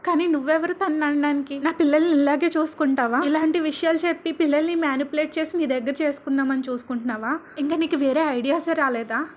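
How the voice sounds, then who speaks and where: Brief: woman doing a hot-tempered young dad, high and loud, shouting. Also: steady tone, quick pace, few pauses, slight background noise, close to an everyday voice. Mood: angry. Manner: shouting, scolding.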